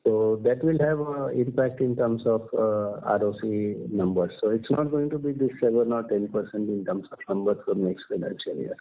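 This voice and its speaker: A man's voice: lowish voice, moderate pace, few pauses. A man with an Indian accent answering investor questions as a company executive on an earnings call, explaining things step by step. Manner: explanatory, uses tags like "right?" and "so to say". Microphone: conference call line. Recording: muffled narrow-band conference phone line.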